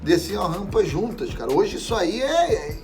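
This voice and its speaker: Lively-pitched man in his forties from Brazil. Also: normal speed, loud music behind the voice. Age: 40s. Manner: animated, swears freely, trails off and restarts. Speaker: interview guest. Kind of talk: casual football chat.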